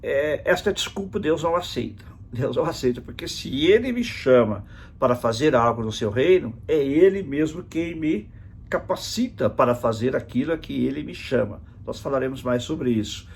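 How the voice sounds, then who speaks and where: A male pastor leads a virtual Bible study in a husky, slightly breathy voice. His pitch sits in an ordinary middle range. He explains each point steadily and leans on the scripture lines when he reads them out. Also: animated, normal speed.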